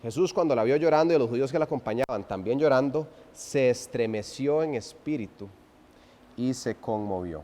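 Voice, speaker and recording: A man preaching an expository sermon, swinging from loud emphasis to hushed, drawn-out phrases and asking the congregation rhetorical questions. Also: mid-range voice, expressive. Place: church sanctuary. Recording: long reverb of a church hall.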